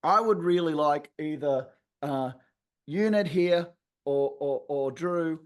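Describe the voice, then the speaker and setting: An Australian man hosting a sports podcast, hoarse after losing part of his voice, introducing the show like an announcer. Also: fairly high pitch, slow pace. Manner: showman-style announcer intro, lots of yeah. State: hoarse, voice partly lost. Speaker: podcast host. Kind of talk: casual sports chat.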